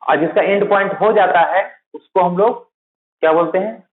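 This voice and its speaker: A man's voice: high voice, moderate pace. A man teaching math for teaching exams, who keeps asking a question and then answering it himself, repeating the key terms. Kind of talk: classroom-style lecture. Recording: tinny, phone-like, echoey room.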